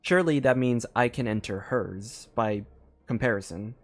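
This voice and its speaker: A man's voice: mid-range voice, normal speed. A young man giving casual live commentary on a game, rambling and thinking aloud with lots of fillers. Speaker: game streamer.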